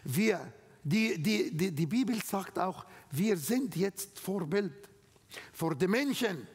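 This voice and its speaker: A man with an Arabic accent preaching a sermon in slow, emphatic, non-native phrasing, speaking in a church hall. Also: high voice, lively intonation, husky. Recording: long hall reverb.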